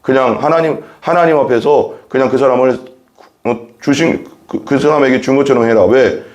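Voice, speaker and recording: A man's voice: medium pitch, normal speed, a little mellow, dull audio. A man preaching a sermon as a pastor, reading Bible verses and explaining them earnestly, often repeating phrases and asking rhetorical questions.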